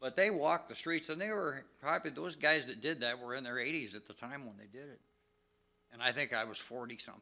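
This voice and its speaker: A man talks at a very fast pace with a medium pitch. His intonation is lively, and his loudness swings a lot. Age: 80s+. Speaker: local elected official. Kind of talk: public meeting remarks. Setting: government commission meeting. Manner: informal, conversational.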